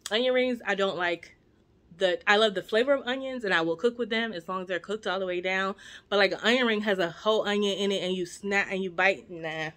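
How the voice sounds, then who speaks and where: Holding the camera at arm's length in her living room, a vlogger in her forties chats casually, rambling and joking with her audience. Born in Jamaica and brought up in the United States, she speaks with a medium-pitched, fairly bright voice.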